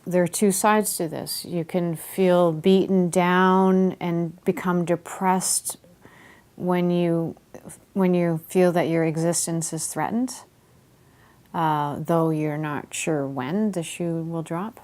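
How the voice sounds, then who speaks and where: Slow, low-voiced woman in her forties. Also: steady tone, darkish tone. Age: 40s. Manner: thoughtful, deliberate. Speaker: interviewee. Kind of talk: personal testimony.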